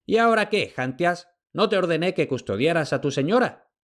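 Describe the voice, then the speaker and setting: A man voicing a proud Greek king who barks orders and blusters with quick anger. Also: fairly high pitch, very animated, voice pushed up. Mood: angry. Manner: commanding, blustering.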